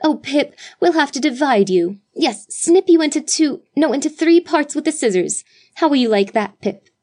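A woman voicing a group of eager young sisters who plead and chatter excitedly. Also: sits high, voice pushed up. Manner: pleading, raised and quick.

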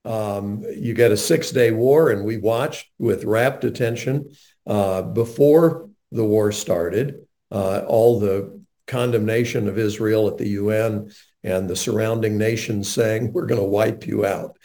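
Earnest older male radio host, mellow tone. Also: fairly low pitch, measured pace. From North Carolina, USA. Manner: earnest, animated storyteller.

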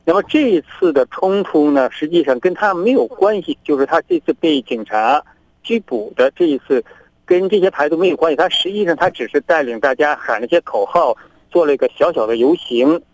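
A middle-aged man from China, a guest on a remote link, telling events in a lively way and acting out both sides of each argument. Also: fairly high pitch, fairly quick, no echo, low-quality recording. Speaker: interview guest, activist. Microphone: remote connection.

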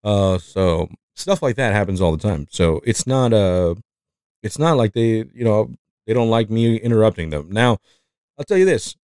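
Man, low voice, mexican accent, rambling podcast host, dry sound. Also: expressive, moderate pace, a little mellow, clear, resonant tone, no room sound. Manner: rambling, self-reflective, many fillers and restarts. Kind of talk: casual podcast chat.

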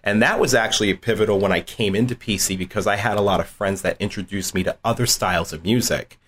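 Lively, laughing man with a lowish voice. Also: quick pace, slight background noise. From southeastern Massachusetts, US. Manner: animated storyteller who laughs often and repeats words. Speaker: college dean, interview guest. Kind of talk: casual interview storytelling.

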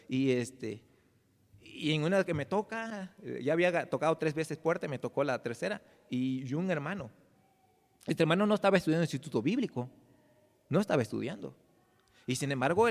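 A middle-aged man, preaching a conversational sermon in a church and checking in with his listeners often. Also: on the high side. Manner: conversational, frequent "¿verdad?" tag questions, light laughs. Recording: long church reverb.

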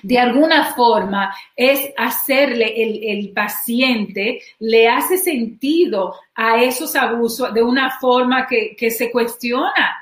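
A woman therapist who talks in a thoughtful, halting way, full of restarts and fillers. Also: on the high side. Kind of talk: casual discussion. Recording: echoey room.

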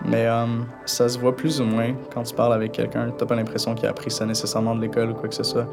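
A man's voice: medium pitch, completely flat delivery, fast talker, vocal fry, over music. A young man from Montreal gives his opinion casually, hesitating with "genre" and "euh". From Montreal, Quebec.

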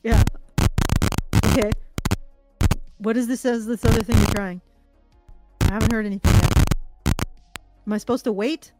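A woman co-hosting a podcast, chatty and lively in casual talk. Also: on the high side, normal speed, pauses often, loud music behind the voice. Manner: chatty, lively, giggles often. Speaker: podcast co-host. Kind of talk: casual chat.

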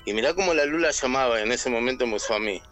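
Argentine male caller, animated storyteller, mid pitch, faint music under. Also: fast. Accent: Argentine Spanish. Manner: animated storyteller, acts out quoted voices. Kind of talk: telling a personal story on air.

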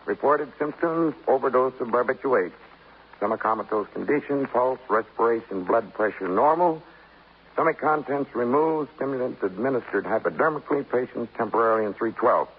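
A matter-of-fact intern, on tinny old radio. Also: male voice, mid-range voice, a little fast, slightly rough. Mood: clinical. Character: brisk young hospital intern.

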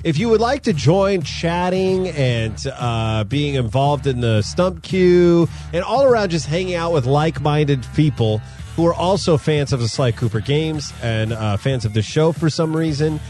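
A man's voice: on the high side, expressive, unhurried, darkish tone, soft background music. A middle-aged man co-hosting a podcast in casual, self-deprecating, jokey banter. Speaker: podcast host.

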